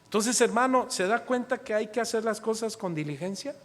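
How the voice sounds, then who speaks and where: High-voiced Mexican pastor preaching. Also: male voice, a little fast, big-room sound. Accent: Mexican Spanish. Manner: storytelling, addresses congregation directly. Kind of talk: sermon. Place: church hall.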